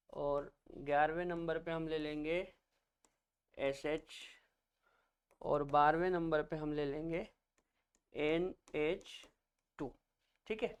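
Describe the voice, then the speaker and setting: A man's voice: a little high, clear, resonant tone. Man drilling students with call-and-response. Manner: repeats each term and quizzes students back; addresses students as children. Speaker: chemistry teacher. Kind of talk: classroom lecture.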